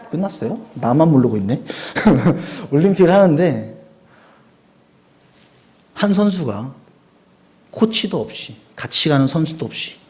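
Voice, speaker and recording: A man preaching a sermon, telling the story in a lively way, asking the congregation questions and acting out the quotes with sound effects. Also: fairly high pitch.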